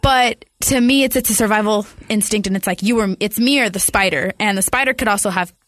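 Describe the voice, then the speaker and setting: A woman's voice: medium pitch, no echo. A woman in her late twenties co-hosting a casual podcast, rambling and laughing as she talks. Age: late 20s. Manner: rambling, animated, quick to laugh. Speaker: podcast co-host. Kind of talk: casual chat.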